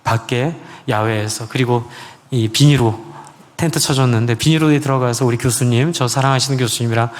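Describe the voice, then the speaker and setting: A man's voice: steady tone, fairly quick, in a large hall. A man preaching as a senior pastor, telling a personal testimony in an earnest, emotional storytelling manner. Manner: emotional, earnest storytelling, pitch jumps high when exclaiming. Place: church sanctuary.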